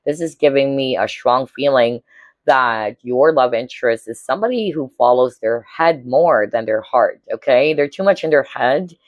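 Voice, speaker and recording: Hoarse woman giving a tarot reading. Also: very deep voice, expressive, moderate pace, dry recording, lo-fi sound. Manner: chatty, keeps checking in with "all right?" and "okay?". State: hoarse, voice cracking. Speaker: tarot reader. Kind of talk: casual pick-a-card tarot reading to viewers.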